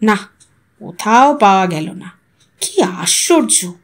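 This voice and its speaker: A woman's voice: mid-range voice, very animated, slow, pitched below the performer's own voice. A woman storyteller voicing a poor, proud husband in an audio story, speaking in a stern, hurt, accusatory manner. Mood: weary, baffled. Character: Paresh, poor proud husband, wounded and indignant man.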